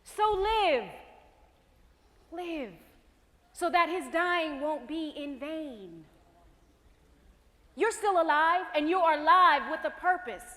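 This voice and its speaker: An actress playing a hopeful figure of faith, speaking tenderly and pleading. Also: female voice, sits high, measured pace, pushed and bright. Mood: reassuring. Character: gentle hopeful woman personifying faith and future. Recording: reverberant hall.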